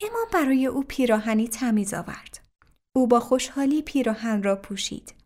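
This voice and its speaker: A woman narrating a religious story in an even, careful reading voice. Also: a little high.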